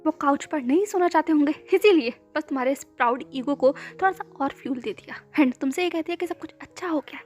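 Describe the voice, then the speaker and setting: Annoyed young doctor guy, curt and low-key, a woman voicing him in a hindi audio story. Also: a little fast, hardly any pauses. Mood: irritated. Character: irritated young male doctor.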